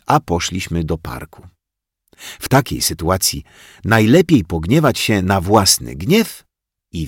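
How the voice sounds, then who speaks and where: A man reading a children's story aloud, slow and expressive, changing his voice for each character. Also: on the low side, dry recording, studio quality. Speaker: audiobook reader.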